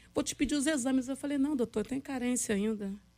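In a very clean recording with a silent background, a woman speaks at a very fast pace with ordinary pitch variation. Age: 40s. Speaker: pastor. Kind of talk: radio panel debate.

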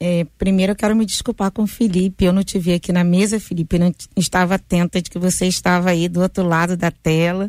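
A woman speaks at a fairly quick pace with a fairly low pitch and monotone, flat intonation. The sound is dry and close, with no echo. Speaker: state culture secretary.

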